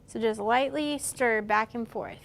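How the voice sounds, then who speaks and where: A woman's voice: fairly high pitch, a little slow. A woman presenting a demonstration in a casual explaining style. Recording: faint music under the voice. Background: music.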